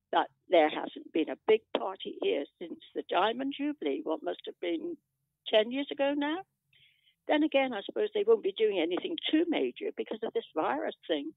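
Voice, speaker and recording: Woman playing a chatty British wife, creaky voice. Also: on the high side, no echo, exaggerated voice. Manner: rambling, gossipy, tag questions. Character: chatty older British wife, nagging her husband. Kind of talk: radio drama monologue. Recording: muffled tinny phone line.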